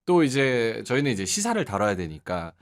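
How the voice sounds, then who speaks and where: A man's voice: medium pitch, wildly swooping pitch, normal speed. A man in his late thirties co-hosting casual political talk, rambling and self-deprecating. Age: 30s.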